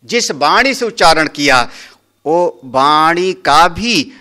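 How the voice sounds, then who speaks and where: A man's voice: a little high, animated, takes it slowly, bright, forceful tone. A man, a Hindu swami, giving a scriptural discourse, explaining a Sanskrit verse word by word and asking and answering his own questions.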